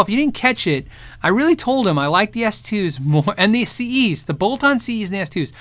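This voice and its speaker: Bright, dry-voiced casual guitar show host. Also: male voice, sits high, no room sound. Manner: rambling, restarts sentences, laughs often. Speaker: guitar show host answering viewer questions. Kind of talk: casual live chat.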